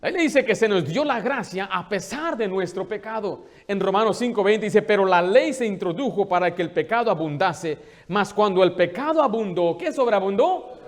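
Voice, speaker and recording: High-voiced pastor preaching. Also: male voice, animated, normal speed, few pauses. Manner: preaches with rhetorical questions and scripture quotes. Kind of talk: sermon.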